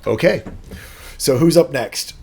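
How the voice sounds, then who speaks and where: A man's voice: a little high, lively intonation, measured pace, vocal fry, a little mellow, husky, soft background music. A man acting as game master, chatting casually at a tabletop role-playing session.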